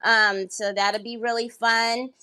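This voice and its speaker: A woman in her fifties with a high, bright-sounding voice hosts a craft livestream. She greets viewers one by one in a bubbly, chatty way and laughs easily. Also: level tone, takes it slowly, clear, resonant tone. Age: 50s.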